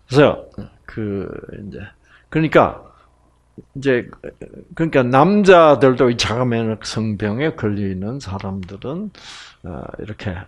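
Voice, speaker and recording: A man's voice: lowish voice, creaky, breathy edge. A middle-aged man giving a health lecture to an audience, acting out quoted voices. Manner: animated, acts out quoted voices.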